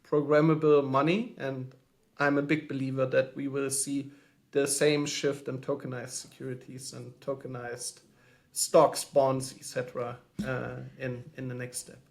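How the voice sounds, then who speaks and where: A man's voice: medium pitch, flat delivery, a little slow, vocal fry. A man from Germany calling in from home as a podcast guest, thoughtful and hesitant with many fillers. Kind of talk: podcast interview answers.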